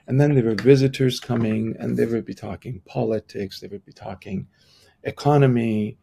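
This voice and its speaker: A middle-aged man with an Iranian accent and a husky, gravelly voice, telling personal stories reflectively as an interview guest. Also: mid-range voice, warm tone. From Iran. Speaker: podcast guest, transformational coach.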